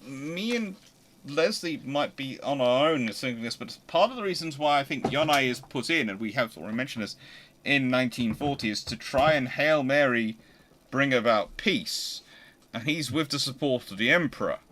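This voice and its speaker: A man hosting a casual history discussion, thinking aloud in a discursive, animated way. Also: mid-range voice, moderate pace. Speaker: host of a history discussion show.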